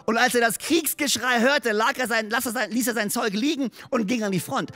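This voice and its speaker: Man, middle-aged, pastor, animated sermon, high voice, faint music behind. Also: brisk. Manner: animated storytelling, often asks the listeners "okay?".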